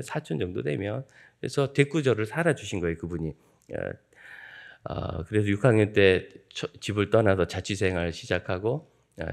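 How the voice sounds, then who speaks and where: Gravelly man telling stories from the pulpit. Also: low-pitched. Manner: lively, joking anecdotal storytelling. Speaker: guest pastor. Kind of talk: sermon with humorous storytelling. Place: church sanctuary at a dawn service.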